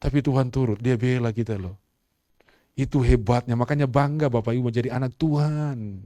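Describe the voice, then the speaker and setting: A middle-aged man preaching a sermon as pastor, moving from quiet storytelling to loud, rousing exhortation and calling on the congregation to respond. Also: mid-range voice, steady tone, fairly quick, no echo.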